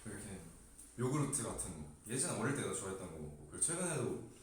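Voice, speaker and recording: A young man chats quickly on a livestream, his pitch rising and falling as he rambles through a story. He sounds set back from the microphone, in a strongly echoing room with faint noise underneath. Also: sing-song. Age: young adult. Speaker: idol group member hosting a livestream. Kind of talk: casual group chat on a livestream. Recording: roomy, distant mic, faint noise.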